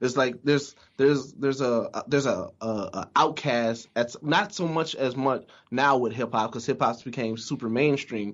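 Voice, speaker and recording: Moderate pace, medium pitch and ordinary pitch variation from a man with an unremarkable speaking voice. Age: 30s. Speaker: podcast host. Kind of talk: casual chat.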